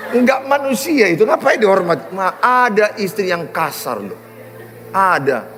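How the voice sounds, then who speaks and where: A man's voice: high voice, measured pace, long reverb tail, a little hiss or hum. A middle-aged man preaching a sermon, telling stories with humor. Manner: animated, humorous storytelling. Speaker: pastor. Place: large church hall.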